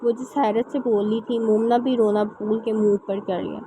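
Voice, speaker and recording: A woman reads a romance novel aloud in a steady storytelling manner. Her voice sits slightly high, and a constant hiss runs behind the recording. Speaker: novel reader.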